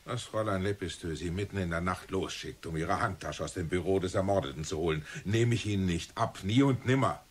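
An actor playing a stern, weary police inspector in a radio drama, questioning with blunt authority. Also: male voice, low-pitched, brisk, few pauses, breathy edge. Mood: pressing, accusing. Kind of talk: German radio drama acting.

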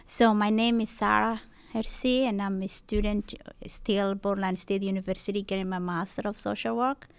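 A young woman introduces herself on a panel in halting second-language English. Her pitch stays flat, and the sound is close and dry. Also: creaky, clean tone, dry recording. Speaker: panel presenter, graduate student. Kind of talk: panel presentation.

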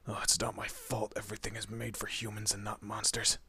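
A man plays a male monster detective in a horror audio roleplay. His voice is low and husky with a bright, forward edge. He talks casually, needling his human partner while looking out for them. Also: completely flat delivery, fairly quick, heavily acted. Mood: grumbling, fond. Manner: casual, teasing, muttered asides. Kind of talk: horror roleplay audio drama, addressing the listener.

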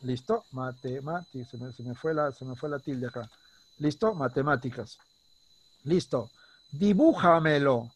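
A man teaching a primary school class online. He is patient, checks in constantly with short questions, and slows down to stress words when he explains. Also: mid-range voice, breathy edge. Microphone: computer mic on a video call.

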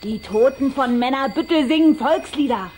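A woman's voice: sits high, normal speed, a little mellow, a little hiss or hum, close to an everyday voice. A woman playing a vain, haughty, coquettish vampire girl with an affected, theatrical delivery in a children's audio drama. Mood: coy.

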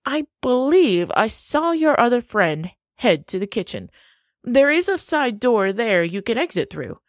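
An actress playing a gracious, slightly secretive woman host in an audio drama, speaking slowly and courteously. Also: a little high, very animated, dry recording, studio quality.

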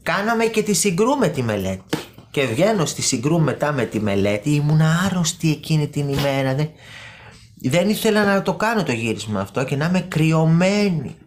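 A woman's voice: low voice, very animated, slight background noise. A woman hosting a casual live stream, chatting and gossiping with her viewers, calling them by name and repeating words for emphasis.

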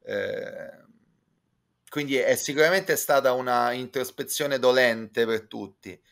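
Male guest commentator, Roman accent, fry in the voice, erudite and halting, informal. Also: medium pitch, a bit bright. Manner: reflective, halting, wordy and erudite. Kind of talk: informal spoken concert review. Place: indoor room with bookshelves. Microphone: video call, close to computer.

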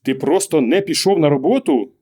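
A man's voice: fairly high pitch, lively intonation, a little fast, warm tone, voice pushed up. A man reading an audiobook, raising his voice to play an anxious, exasperated wife who keeps pressing her husband with questions. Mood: alarmed. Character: anxious middle-aged wife, exasperated and pleading. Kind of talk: audiobook character voice.

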